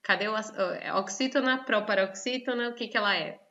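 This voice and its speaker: A mid-range female voice talks a little fast, with the high frequencies cut off. It belongs to a lively teacher with a Brazilian Portuguese accent who explains an online lesson and keeps questioning her students.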